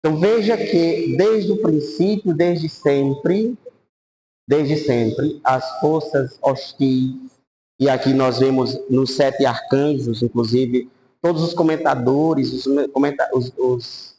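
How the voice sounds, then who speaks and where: A male priest, telling a story with animated ups and downs during a Bible course lecture. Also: medium pitch, slow, a little hiss or hum, rough recording. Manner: animated anecdotes, voice rising and falling.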